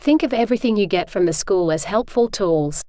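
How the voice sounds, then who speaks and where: Crisp, dry-sounding woman reading sentences. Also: medium pitch, expressive, warm tone, no room sound. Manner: measured, neutral, careful enunciation. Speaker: test practice sentence reader. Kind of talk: scripted read-aloud dictation practice.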